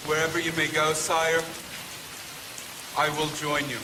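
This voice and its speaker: An actor playing a male royal minister who speaks in a hushed, deferential and smooth way, heard from a distance over music. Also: a little high, level tone, unhurried, background noise, lightly acted. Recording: distant voice with loud film music.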